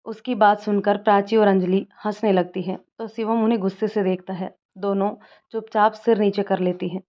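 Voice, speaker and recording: A woman reading a scripted story as narrator in a steady, even way. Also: medium pitch, moderate pace, dull audio.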